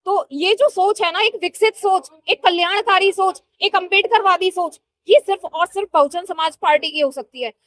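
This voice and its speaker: A woman's voice: very high-pitched, moderate pace, hardly any pauses, a bit bright. A woman in her thirties, a party worker answering interview questions in an earnest, persuasive way. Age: 30s.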